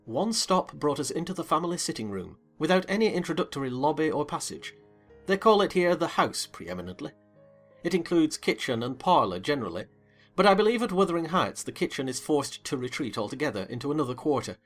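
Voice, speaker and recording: A man narrating a dramatized reading of a classic novel in a measured, expressive storytelling manner. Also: a little high, faint music behind. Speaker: audiobook narrator.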